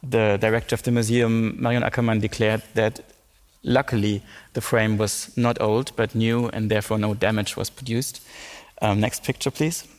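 Guy moderating a panel, lowish voice, long echoey hall, measured. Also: level tone. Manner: measured, asks guests questions. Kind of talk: panel discussion.

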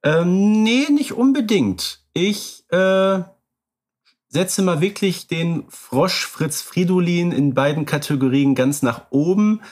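A man co-hosting a podcast in relaxed casual chat, hedging with filler phrases. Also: high-pitched, takes it slowly. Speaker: podcast co-host.

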